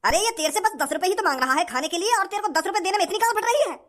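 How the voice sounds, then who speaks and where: Man doing a squeaky swaggering rich kid. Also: very fast, fairly bright tone. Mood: scolding. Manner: swaggering, scolding. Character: brash rich young male show-off.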